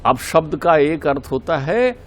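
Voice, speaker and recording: A man's voice: fairly high pitch, very animated, measured pace, background noise. A middle-aged man giving a spiritual talk as a guest in a TV interview, earnest and preaching, repeating key points for emphasis.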